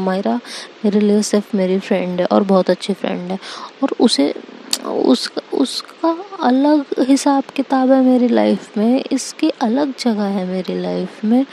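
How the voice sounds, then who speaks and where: A woman's voice: mid-range voice, vocal fry, mellow, a little hiss or hum, natural voice. A woman voicing an exasperated young woman caught between two girlfriends, complaining dramatically in a storybook reading.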